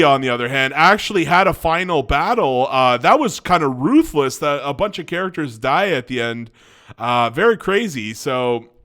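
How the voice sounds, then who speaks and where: A man's voice: fairly high pitch, a bit bright. Stuffy-voiced young man rambling casually. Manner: rambling, many restarts and fillers. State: stuffy from a cold. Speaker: cartoon review vlogger. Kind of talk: casual spoken review.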